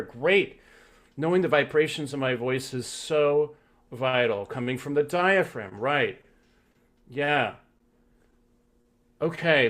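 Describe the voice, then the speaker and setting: A man's voice: medium pitch, a bit bright. A man teaching vocal health in a live online masterclass, coaching with frequent "right?" check-ins.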